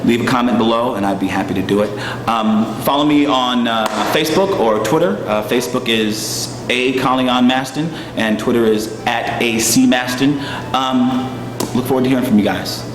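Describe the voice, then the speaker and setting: A man talking casually to online viewers in a low-key, hesitant, informal way. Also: moderate pace, reverberant, in a large hall, a crowd in the background, rough recording. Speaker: actor, reader addressing online viewers.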